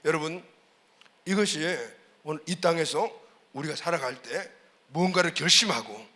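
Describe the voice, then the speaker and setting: A man's voice: fairly high pitch, normal speed, sharp tone. A male pastor preaching a sermon in church, asking the congregation questions and repeating key words for emphasis. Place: church service.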